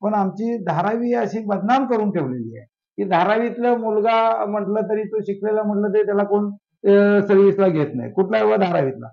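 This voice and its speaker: A man's voice: sits high, expressive, normal speed, few pauses. A man, a social worker, speaking in an impassioned interview, asking rhetorical questions and piling up long lists. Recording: dull lo-fi sound.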